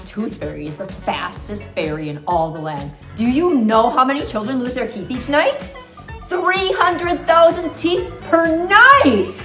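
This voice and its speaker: A woman playing an earnest, excitable Red Riding Hood, announcing a fairy tale fashion show in a theatrical skit style. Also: sits high, a little slow, heavily acted. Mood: excited. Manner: theatrical, animated. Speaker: co-host. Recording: roomy echo, music behind.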